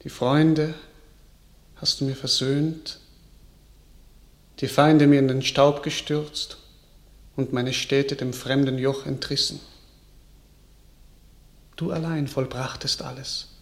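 Stately, slow-speaking king. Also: mid-range voice, steady tone. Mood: grateful. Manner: stately, declamatory. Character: grateful, gracious medieval king, lofty and ceremonious. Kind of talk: classical German radio drama verse acting.

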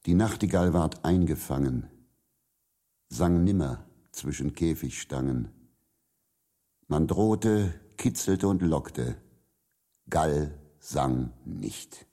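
A man reciting a poem in a measured, deliberate manner, leaving long pauses. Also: very deep voice, lively intonation, mellow. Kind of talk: poetry recitation.

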